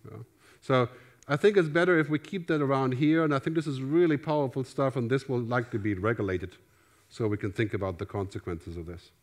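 A man's voice: medium pitch, brisk. A middle-aged man with a German accent giving a conference keynote on a large theater stage. He speaks through a headset mic in a conversational way and often adds "right?". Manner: conversational, gestures widely, asks "right?" often.

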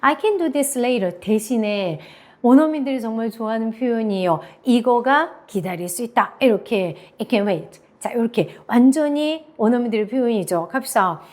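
A middle-aged woman teaching English, who says example phrases slowly and keeps checking in with her listeners. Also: on the high side, lively intonation, darkish tone. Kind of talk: classroom lecture.

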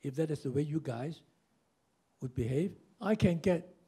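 Wry, husky older man. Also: fairly high pitch, expressive, moderate pace, dark tone. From Hong Kong. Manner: wry, rhetorical, argumentative. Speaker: panelist. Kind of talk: panel discussion remarks. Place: conference room with a seated audience. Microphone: handheld mic.

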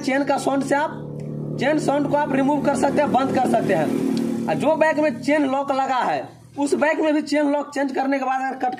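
High-voiced man explaining a bike repair. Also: a little hiss or hum. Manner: step-by-step instructive, keeps pointing things out. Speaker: bike mechanic. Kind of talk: how-to repair tutorial. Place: motorcycle workshop.

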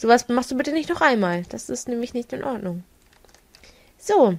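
A woman's voice: on the high side, expressive, moderate pace, gravelly, a little mellow. Giggly woman commenting on a game. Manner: chatty and giggly, often stumbles over words. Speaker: let's play gamer. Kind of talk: casual gameplay commentary. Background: faint game music.

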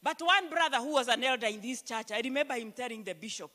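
A Kenyan woman pastor preaching a sermon into a handheld mic on a church stage, emphatic and slowing down to read scripture aloud. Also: fairly high pitch, pushed and bright. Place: church stage, large hall. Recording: long church hall reverb.

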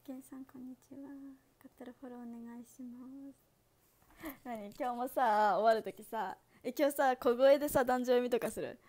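A woman's voice: a little high, normal speed, a little mellow. A young woman hosting a casual livestream, chatting with viewers and reading their comments, giggling often. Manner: giggly, bubbly, laughs often. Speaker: idol livestream host.

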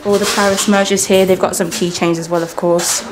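A woman in her thirties whose first language is Persian, giving an upbeat, chatty walking tour of a hotel while she films herself. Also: fairly quick. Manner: chatty, upbeat, lively ups and downs in pitch. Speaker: travel vlogger. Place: indoor hotel lobby and halls. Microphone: handheld camera, self-filmed. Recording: noisy handheld camera audio.

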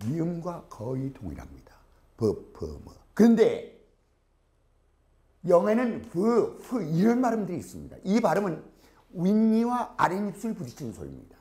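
A man's voice: fairly high pitch, darkish tone. Korean man teaching English sounds. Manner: demonstrates sounds by repeating words in pairs; asks the listener checking questions. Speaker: language teacher. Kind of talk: lecture.

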